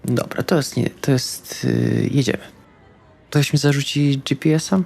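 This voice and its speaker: A man's voice: mid-range voice, unhurried, vocal fry, a little mellow. A man playing a tabletop roleplaying game, speaking casual in-character dialogue.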